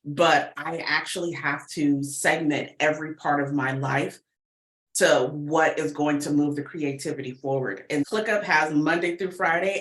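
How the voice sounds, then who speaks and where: A woman's voice: low voice, roomy sound. An American woman speaking candidly and expressively as a guest in a casual interview, chatting about her creative work. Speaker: guest, audio fiction writer and producer.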